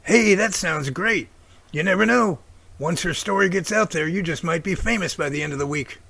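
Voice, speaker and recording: A man's voice: sits high, normal speed, creaky, fairly bright tone, husky, full character voice. A man playing a fatherly older professor in an amateur radio drama, folksy and encouraging.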